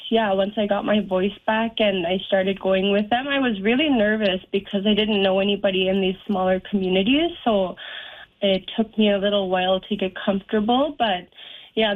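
Woman, young adult, band singer, hesitant casual answers, tinny narrow sound. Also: medium pitch. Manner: soft-spoken, hesitant, many ums and likes.

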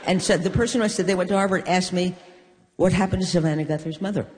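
An older woman from New York, a guest in an onstage conversation, telling stories with wry, deadpan humor. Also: lowish voice, fast talker. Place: stage in a hall. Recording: long reverb of a large hall.

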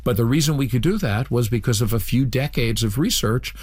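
A man's voice: mid-range voice, fairly quick, darkish tone, breathy edge. A man answering interview questions on radio in an earnest, explanatory way, often restarting his sentences. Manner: earnest, explanatory, with repeated starts. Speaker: interview guest.

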